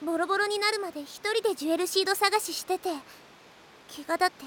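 A woman's voice: very high voice, quick pace, a bit bright, slight background noise. A woman playing an earnest, caring young magical girl heroine in an anime audio drama, with a childlike voice. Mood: gentle, caring. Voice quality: childlike, girlish. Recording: music behind the voice.

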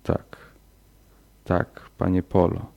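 A man voicing a cringing, enslaved male demon who speaks low, bitter and subdued in a horror audiobook. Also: drawn-out words, mellow, muffled recording. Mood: grudging.

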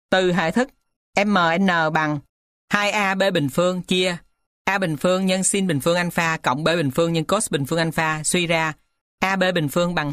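Low-pitched woman dictating in a dry recording. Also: no room sound. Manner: dictating, spelling out symbols and punctuation. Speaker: narrator reading a mathematics textbook aloud. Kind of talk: scripted read-aloud of a textbook.

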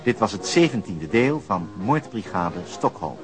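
A man's voice: on the low side, sing-song, a little slow. A man reading a scripted credits announcement as a radio announcer. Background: music.

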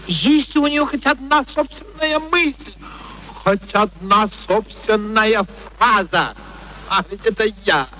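An actor playing a brash, petulant, bullying professor in a theatrical radio play, impatient and exclaiming. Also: male voice, extremely high pitch, sharp tone, exaggerated voice, low-quality recording. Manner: blustering, impatient, exclaiming and cursing. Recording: faint background noise, archive radio recording.

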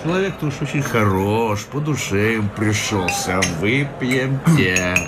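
A man's voice: on the low side, expressive, unhurried, very noisy. An actor playing a cynical, hard-drinking male petition-writer in a radio play, boisterous and mocking, always pressing drinks on his companion. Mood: boozy. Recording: music playing behind the voice.

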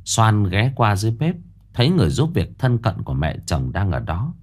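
Man telling a ghost story, lively delivery. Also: on the low side, fairly quick.

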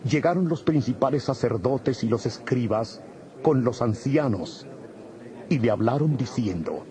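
A man narrating a dramatized audio Bible from a script in a husky, mellow voice. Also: mid-range voice, lively intonation, a little slow. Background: music.

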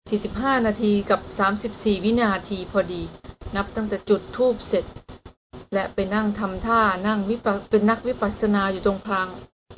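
A woman's voice: mid-range voice, slight background noise, lightly acted, poor audio. A woman reading the part of a protective older brother who speaks firmly and plainly.

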